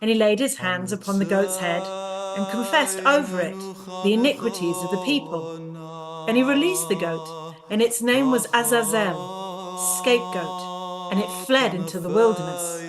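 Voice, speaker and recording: A woman playing a grave figure of the ghetto in a deliberate, declamatory theatrical style. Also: mid-range voice, music in the background, natural voice, poor audio. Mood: reverent, solemn. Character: grave female narrator and weary ghetto tenant. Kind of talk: theatrical recitation in a stage play.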